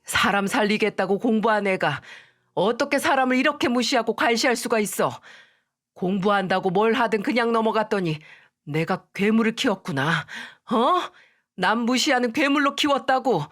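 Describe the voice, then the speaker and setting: A woman voicing an angry older father-in-law who shouts and scolds his family. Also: on the high side, expressive, normal speed, voice pushed up, natural voice. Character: furious older man, a stern father-in-law.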